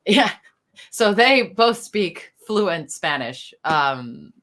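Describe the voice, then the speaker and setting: Low-voiced woman. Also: very animated, extremely slow, fairly bright tone. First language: Slovenian. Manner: chatty and self-deprecating, with fillers and restarts. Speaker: voice actor on a fan Q&A panel. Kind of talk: casual panel chat.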